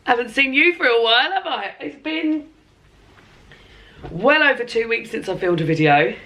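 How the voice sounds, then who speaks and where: A hoarse woman with a chesty cough, chatting casually to camera in a rambling reading vlog from her bed at home, with plenty of ums and throat clearing. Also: on the high side, lively intonation, moderate pace, pushed and bright. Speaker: book vlogger.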